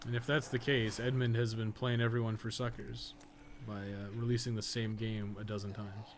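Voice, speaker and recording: A man's voice: fairly low pitch, little pitch movement, normal speed, noisy background. A man chatting casually on a live game stream, rambling through blunt opinions with plenty of swearing. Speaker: game streamer and podcast host.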